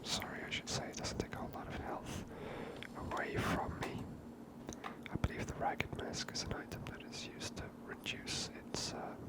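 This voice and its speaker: A man giving gentle, unhurried ASMR game commentary in a breathy whisper, close to the microphone. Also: low-quality recording.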